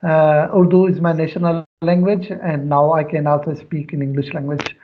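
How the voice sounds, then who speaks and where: A Pakistani man, Sindhi by first language, answering questions in careful, earnest English with frequent hesitations. His voice sits notably high. The audio comes over a muffled, lo-fi online call. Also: level tone. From Pakistan, near Karachi. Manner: earnest, careful, pausing often with filler sounds. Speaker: guest, schoolteacher. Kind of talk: casual English practice conversation.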